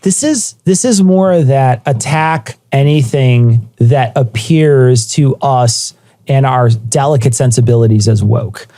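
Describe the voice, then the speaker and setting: A man's voice: medium pitch, takes it slowly, no echo, clean studio sound. A man co-hosting a podcast, mocking and profane in casual chat. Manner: profane, mocking, animated rants. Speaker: podcast co-host.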